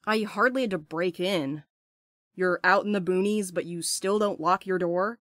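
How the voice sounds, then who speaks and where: A woman's voice: on the low side, moderate pace, fairly bright tone, no room sound, clean studio sound, close to an everyday voice. An actress playing a brash, impulsive young woman with crude, sarcastic banter in an audio drama. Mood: playful. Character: brash, playful, impulsive young postal worker friend.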